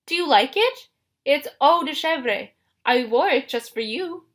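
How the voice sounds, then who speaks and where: A woman voicing a nervous male satyr posing as a sweet bride, in a coy, flustered falsetto for a storybook. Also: lively intonation, a little slow, fairly bright tone. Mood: coy, flirty.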